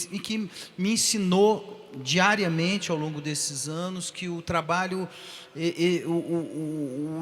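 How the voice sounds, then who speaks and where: A man on a theater stage speaking earnestly and warmly admiring, with some restarts, in a panel talk. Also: fairly high pitch. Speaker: guest actor, theater group founder. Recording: echoey theater hall.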